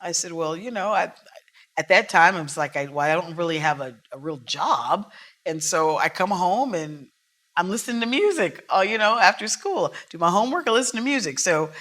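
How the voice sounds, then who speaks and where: A jazz singer from Oakland, California, a woman telling stories from her career as a podcast guest, animated and lively. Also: on the low side, a little fast. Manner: animated storyteller, acts out quotes. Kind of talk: storytelling interview talk.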